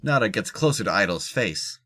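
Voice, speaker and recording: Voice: low voice, lively intonation, moderate pace, pushed and bright. A narrator reading scripted descriptions of the action in an audio drama.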